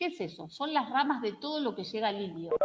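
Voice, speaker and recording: The woman's pitch rises and falls very widely. She talks fairly quickly. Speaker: medical lecturer. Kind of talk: lecture. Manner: fast.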